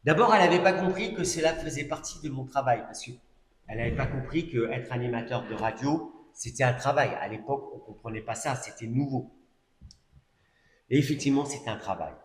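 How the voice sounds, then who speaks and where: A man's voice: medium pitch, brisk. Middle-aged male preacher, casual storytelling testimony with asides, roomy church echo. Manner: conversational storytelling with many asides and fillers. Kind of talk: testimony sermon. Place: church hall. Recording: echoey church hall recording.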